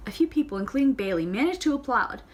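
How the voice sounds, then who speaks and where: A woman's voice: high-pitched, big pitch swings, fast, a little hiss or hum. A woman reads a novel aloud in a casual way. She often stumbles and corrects herself, and she adds playful side comments of her own. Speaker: audiobook reader.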